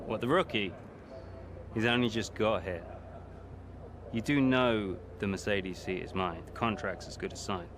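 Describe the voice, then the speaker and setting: An actor playing a smug young racing driver in a video game, mocking and falsely innocent in manner. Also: male voice, on the low side, a little slow, pauses often, a bit bright, slight background noise. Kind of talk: cinematic video game acting.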